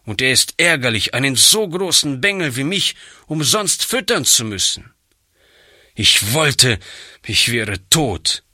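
A man's voice: mid-range voice, very animated, slow, pushed and bright, dry recording, studio quality, full character voice. A man reading a storybook aloud, voicing a surly, defiant one-legged boy who grumbles bitterly. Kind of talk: audiobook reading.

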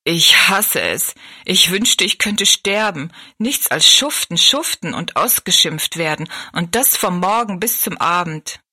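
A woman reading a storybook gives a tired, bitter young kitchen maid a fairly low, bright, forceful voice at a moderate pace. The maid sounds weary, speaks bluntly and complains.

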